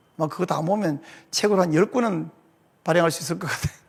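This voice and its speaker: A man talks at a very fast pace. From Gyeongsang region, South Korea. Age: 60s. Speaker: pastor. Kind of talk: lecture.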